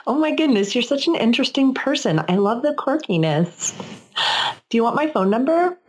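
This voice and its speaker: A woman's voice: fairly high pitch, very animated, moderate pace, a little mellow, voice pushed up, poor audio. A woman voicing a naive, friendly young shopper who is easily charmed, gushing earnestly in a comedy sketch.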